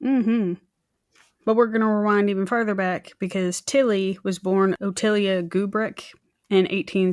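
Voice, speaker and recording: A woman's voice: mid-range voice, no room sound, clean studio sound. A woman co-hosting a true crime podcast, telling the story in a chatty, informal way with wry, joking asides. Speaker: podcast co-host presenting the case.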